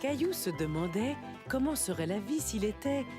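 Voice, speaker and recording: A woman's voice: medium pitch, sing-song, moderate pace, over music, close to an everyday voice. A woman narrating a children's cartoon as a kindly storyteller, in a scripted storybook style. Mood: gentle storytelling.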